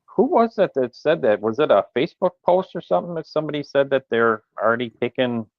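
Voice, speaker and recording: A man co-hosting a casual talk show, easygoing and quick to agree. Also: mid-range voice, lively intonation, dry recording, dull audio. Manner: easygoing, short agreeing replies. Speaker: co-host. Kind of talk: casual chat.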